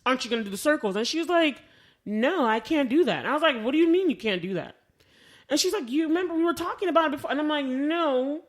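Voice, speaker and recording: Expressive American woman chatting casually. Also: high-pitched, fast. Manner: expressive, re-enacts conversations as she tells them. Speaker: podcast co-host. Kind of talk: casual chat and animated personal storytelling.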